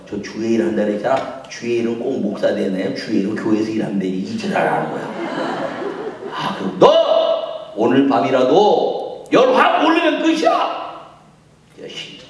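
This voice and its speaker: A man preaching at a revival meeting as pastor, acting out conversations and breaking into shouts. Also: lowish voice, fairly quick, slight background noise. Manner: animated, shouts and acts out dialogue. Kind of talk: revival sermon. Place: large church revival meeting. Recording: echoey hall, mic from far off.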